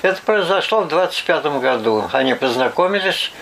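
An older man from Russia tells his life story in a rough, gravelly voice that sits a little high for a man. He recalls the past unhurriedly, stopping often to hesitate and find the next detail. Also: expressive, fairly bright tone, slight background noise, poor audio. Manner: unhurried recollection with hesitations and "вот" asides. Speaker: interviewee. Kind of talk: oral history reminiscence.

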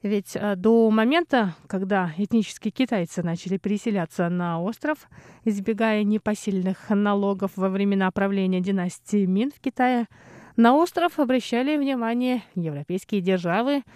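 A woman hosting a radio program, reading a scripted feature in a measured, even newsreader manner. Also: medium pitch, clean tone, no echo, clean studio sound. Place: radio studio. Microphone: studio microphone.

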